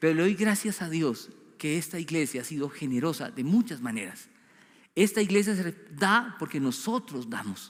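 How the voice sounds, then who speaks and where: A man speaks in a high voice at a moderate pace, with very wide pitch swings. The recording is very clean, with a silent background. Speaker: pastor. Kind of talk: sermon.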